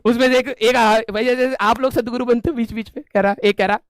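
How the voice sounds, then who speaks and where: A man with a strikingly high voice narrates a comic tale to a room of students. He laughs along at his own story and keeps pausing to check in with them. His voice is recorded close and dry, with almost no room sound. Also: fairly even intonation, clean tone, no echo. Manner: chuckles often, keeps checking in with "okay". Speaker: teacher. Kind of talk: humorous storytelling to a class.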